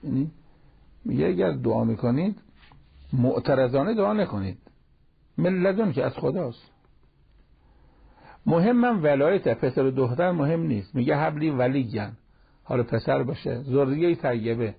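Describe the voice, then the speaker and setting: Gravelly husky guy w giving a chatty sermon, muffled lo-fi radio sound. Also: medium pitch, lively intonation, pauses often. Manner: plain conversational preaching, quotes Arabic verses. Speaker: cleric giving a Quran commentary talk. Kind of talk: sermon-style Quran commentary. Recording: dull lo-fi broadcast recording.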